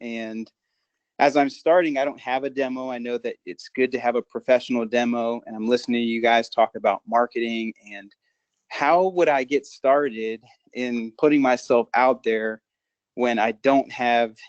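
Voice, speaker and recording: Smooth-voiced man asking a question. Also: medium pitch, steady tone, moderate pace, no room sound, lo-fi sound. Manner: eager, polite. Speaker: webinar caller.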